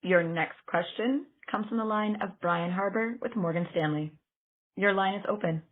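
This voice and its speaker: A woman's voice: mid-range voice, moderate pace. A woman working as a conference call operator, making formal, scripted announcements. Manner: formal, procedural. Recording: narrow phone-line sound.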